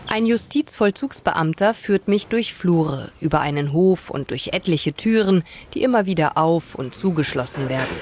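A woman reporter narrating a television news feature in a calm, descriptive voice-over. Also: fairly low pitch, background noise.

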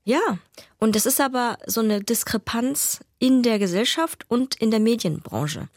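A woman's voice: fairly high pitch, a little slow, no room sound, studio quality. A young adult woman from Vietnam, an actress and author, answering interview questions thoughtfully and restarting phrases as she searches for words.

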